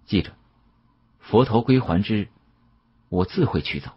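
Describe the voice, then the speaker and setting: A man's voice: fairly low pitch, expressive, moderate pace, breathy edge. A man voicing a cold, proud, resentful young woman in an audiobook, speaking in curt, formal declarations. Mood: cold, solemn. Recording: dull lo-fi audio.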